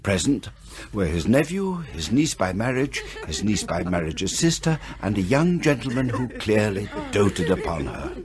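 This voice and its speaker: A man narrating a Victorian Christmas ghost tale for radio drama in a measured, expressive storytelling manner. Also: on the low side, crowd noise. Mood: wry. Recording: loud sound-effect noise behind the voice.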